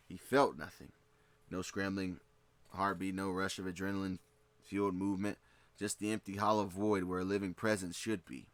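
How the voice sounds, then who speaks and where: Deep-voiced man narrating a story. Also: dry recording. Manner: steady reading with occasional slips and restarts. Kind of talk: fan fiction story narration.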